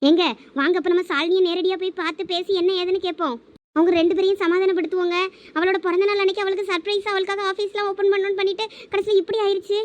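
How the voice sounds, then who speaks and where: A woman's voice: very high-pitched, level tone, quick pace, no echo. A woman voicing a fussy village wife with a Thoothukudi accent. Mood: worried. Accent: Thoothukudi Tamil. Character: chatty village wife and mother, fretful. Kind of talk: cartoon voice acting.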